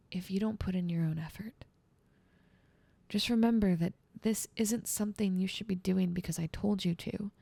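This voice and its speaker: Woman as caring guardian angel, ASMR roleplay, soft soothing delivery, breaths of fry, close dry sound. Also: medium pitch, dry recording. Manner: soothing, coaxing, patient, drifting into whispers. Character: gentle motherly female guardian angel, caring and earnest.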